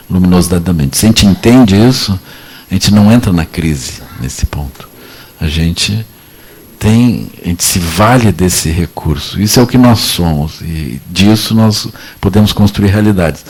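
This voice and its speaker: A deep-voiced man with a Brazilian Portuguese accent teaches Buddhism to an audience, loose and joking. His voice is low and slightly husky. He keeps coming back to short tag phrases between his points. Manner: relaxed, joking, repeats "é assim, né". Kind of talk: dharma talk to an audience. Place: lecture at a meditation center.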